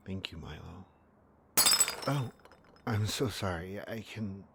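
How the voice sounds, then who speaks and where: A man acting in an audio drama as an ailing, protective partner, weary and knowing, speaking in a measured, soft, grave way. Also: low-pitched, expressive, creaky, heavy background noise, heavily acted. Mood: weary, tender. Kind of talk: fiction podcast acting.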